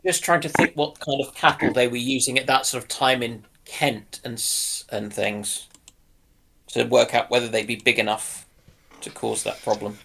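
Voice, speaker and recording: A man's voice: mid-range voice, fairly even intonation, moderate pace, creaky, bright, forceful tone, a little hiss or hum, low-quality recording. A man on a panel, speculating casually and somewhat hesitantly as he thinks aloud.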